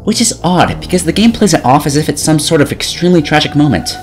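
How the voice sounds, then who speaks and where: A young man of twenty delivers a scripted game review. His voice is animated and moves widely in pitch, with a sarcastic, opinionated edge. Light music plays behind him. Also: fast. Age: 20 years old. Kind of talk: scripted video review narration.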